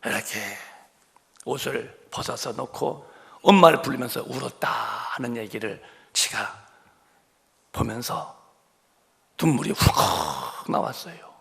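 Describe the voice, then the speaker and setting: A man preaching in a church, with a heavily gravelly, crackling voice. His pitch swings widely as he tells a moving story and presses the congregation with rhetorical questions. His tone is bright and slightly high. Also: animated, unhurried, long pauses. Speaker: pastor. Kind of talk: sermon. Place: church sanctuary.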